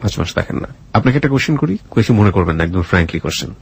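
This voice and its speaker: A man's voice: sits low, very animated, racing, creaky, slightly rough. A man with a Bangladeshi accent hosting a radio show, speaking earnestly and emphatically with dramatic phrasing. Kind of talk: radio storytelling and interviewing. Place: radio studio.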